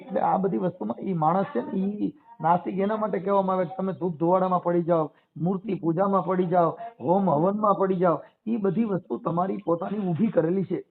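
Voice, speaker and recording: High-pitched Gujarati man lecturing over the phone. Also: fairly even intonation, fairly quick, vocal fry. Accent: Gujarati, Saurashtra. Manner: emphatic, lecturing, asks rhetorical questions. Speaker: caller explaining his rationalist views. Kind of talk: animated phone discourse in colloquial speech. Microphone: telephone. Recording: muffled narrow-band phone call recording.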